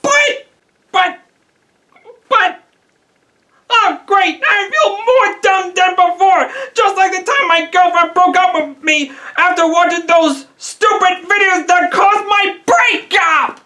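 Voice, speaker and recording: A woman voicing a gloomy, self-blaming young male superhero in an amateur fan film, talking in a halting, rambling way. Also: very high-pitched, sharp tone, heavily acted. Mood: mopey. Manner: mopey, halting, rambling confession.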